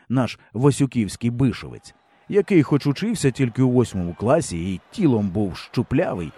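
A man narrating a humorous story in an audiobook, telling it in a lively way. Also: medium pitch, slight background noise. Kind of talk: scripted narration.

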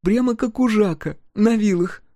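A man's voice: high voice, normal speed, warm tone, dry recording, studio quality, pitched above the performer's own voice. A man voicing a mocking young village girl. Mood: teasing. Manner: sly, teasing, haughty.

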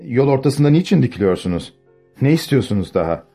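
A man's voice: mid-range voice, sing-song, fast, dark tone, husky, faint music behind. A man reading the part of an arrogant young officer who speaks with scorn, in an audiobook. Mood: scornful. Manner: dismissive, haughty.

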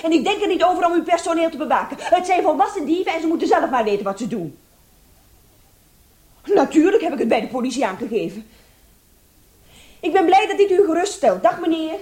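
High-voiced, excitable robbed woman. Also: brisk, long pauses. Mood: indignant. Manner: exclamatory, agitated. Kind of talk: Dutch radio drama acting.

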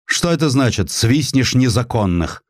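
A man's voice: mid-range voice, expressive, moderate pace, no room sound, pitched above the performer's own voice, lightly acted. An imperious aristocratic general, acted out by a male narrator in an audiobook, abrupt and commanding. His voice rises and falls widely as he threatens, recorded close and dry. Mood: suspicious. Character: haughty imperious male grand duke, a general.

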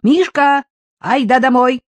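A woman voicing a scrappy, loud village girl who squabbles and yells in a storybook reading. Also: sing-song, measured pace, no room sound. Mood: shrill squabbling. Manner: shrill, squabbling, cheeky.

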